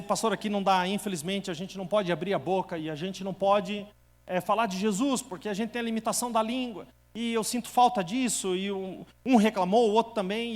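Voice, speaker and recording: A male pastor with a high-pitched voice preaches to his congregation. He tells a story and calls on the listeners to answer him. His voice rings through a hall with a long reverb. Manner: storytelling, challenges the congregation to respond. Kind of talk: sermon.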